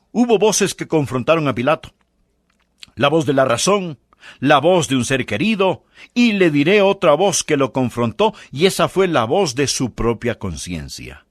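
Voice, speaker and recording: Lively emphatic male preacher. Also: on the high side, no room sound, studio quality. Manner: emphatic rhetorical questioning. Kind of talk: sermon.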